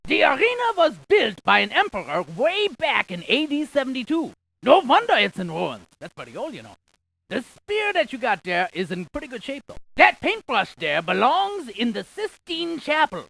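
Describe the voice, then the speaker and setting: A talkative scientist from an educational video game. The voice is high and creaky, swinging animatedly through facts and folksy asides. It is recorded close and dry. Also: wildly swooping pitch, normal speed, pushed and bright, no echo, full character voice, low-quality recording. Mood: chatty, eager. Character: chatty scientist sharing landmark trivia with a player. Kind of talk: scripted educational video game character dialogue.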